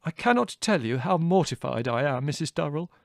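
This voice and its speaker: A man's voice: high-pitched, moderate pace, gravelly, no echo, voice pushed up. A pompous colonel from a storybook, full of military self-importance and feeling, acted out by a man reading aloud. The voice is lifted well above a normal male register and recorded very dry. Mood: mortified, pleading. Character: pompous military colonel, roaring commands, tearfully mortified apologies. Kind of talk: audiobook character voice.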